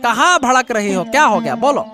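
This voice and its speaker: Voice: medium pitch, very animated, fairly quick, over music, lightly acted. Timid fretting village husband, a voice actor doing him. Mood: fretful. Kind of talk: cartoon voice acting.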